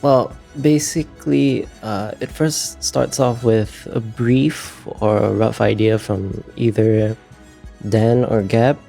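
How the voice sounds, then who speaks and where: This is a man being interviewed, explaining things casually. His voice is on the low side and mellow, with a strong vocal fry. He speaks haltingly, often pausing to find the next phrase. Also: steady tone, soft background music. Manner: hesitant, halting, with frequent pauses and fillers. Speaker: interview guest, visual artist.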